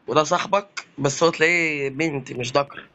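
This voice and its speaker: A man's voice: a little high, fairly quick, sharp tone. A man with an Egyptian accent giving casual, jokey commentary over gameplay, exclaiming often. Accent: Egyptian Arabic. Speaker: gaming youtuber. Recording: dull lo-fi sound with faint noise.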